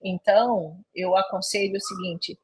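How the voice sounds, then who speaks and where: A woman's voice: medium pitch, a little slow, slightly rough. A middle-aged woman speaking at a leadership webinar, telling a story from her own work life and acting out the dialogue in it. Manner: animated, acts out quoted dialogue.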